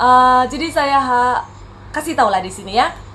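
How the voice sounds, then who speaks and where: The speaker has an Indonesian accent. Noticeable background noise is present. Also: woman. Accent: Indonesian-sounding Malay. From Malaysia, Sabah (Tawau). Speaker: vlogger. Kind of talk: casual vlog talk. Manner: halting, many fillers.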